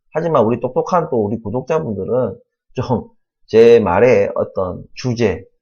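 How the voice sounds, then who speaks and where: A man speaks at a fairly slow pace with lively intonation, a medium pitch and a somewhat breathy voice. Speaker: stock market YouTuber. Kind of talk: unscripted commentary. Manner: raised pitch, animated; rambling, hesitant fillers.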